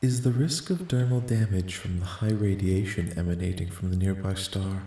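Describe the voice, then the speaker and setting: Man playing a soft-spoken, low, echoing alien interviewer. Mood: curious, detached. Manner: formal, detached, measured, precise wording. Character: calm, curious, clinical male alien studying human dreams. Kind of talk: soft-spoken ASMR roleplay, scripted.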